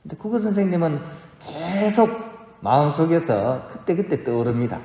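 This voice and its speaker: A man's voice: fairly high pitch, lively intonation, normal speed, dark tone. A man, a Catholic priest, giving a homily to his congregation, telling stories and often asking the listeners questions. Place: large church. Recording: echoey church hall with long reverb.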